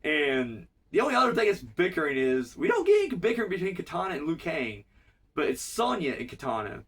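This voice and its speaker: A man's voice: on the high side, huge pitch swings, fairly quick, fairly bright tone, slightly rough, recorded from a distance. A man with a cold recapping a cartoon episode in a rambling, profane, casual way. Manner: rambling, profane, filler-heavy. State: has a cold.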